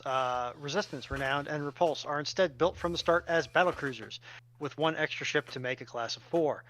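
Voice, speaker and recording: A man's voice: mid-range voice, fairly bright tone, slight background noise. A man co-hosting a chat show, reading out audience questions and adding casual commentary.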